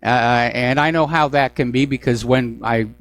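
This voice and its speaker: Brisk male call-in radio host. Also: mid-range voice, smooth, no echo. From New Hampshire. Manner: brisk, moves callers along with frequent "uh" fillers. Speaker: radio talk show host.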